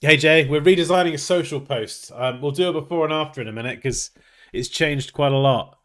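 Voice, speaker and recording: A man hosts a live graphic design tutorial, chatting casually and thinking aloud as he works. His voice is fairly high, a little fast and a bit bright, with a sniffly, nasal sound from a blocked nose.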